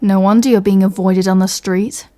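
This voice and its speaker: A woman's voice: mid-range voice, fairly even intonation, normal speed, dark tone, close to an everyday voice. Exasperated, sarcastic superheroine played by a woman. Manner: dry, sarcastic, exasperated retorts. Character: irritated, stubborn, proud female superhero patient. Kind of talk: comedic audio roleplay acting.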